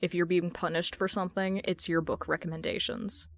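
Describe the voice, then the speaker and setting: A woman's voice: fairly low pitch, little pitch movement, brisk, close to an everyday voice. A woman reading the part of a teasing young man, a sarcastic best friend with a casual manner, in a story.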